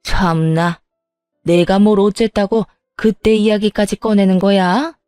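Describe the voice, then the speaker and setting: A brazen, self-pitying older mother-in-law, read by a woman in a storybook reading, whining and defensive. The voice is dark and mellow, recorded dry and close. Soft music plays underneath. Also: mid-range voice, fairly even intonation, a little slow, clear, resonant tone, dry recording, close to an everyday voice. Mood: scornful.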